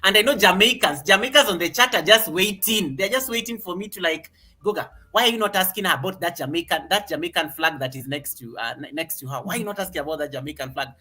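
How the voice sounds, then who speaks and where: Kenyan host, bright forward tone, chatty and eager interviewer. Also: male voice, high-pitched, fast, few pauses, slightly rough. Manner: animated, questions in long repeating runs. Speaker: livestream host. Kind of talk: casual livestream interview.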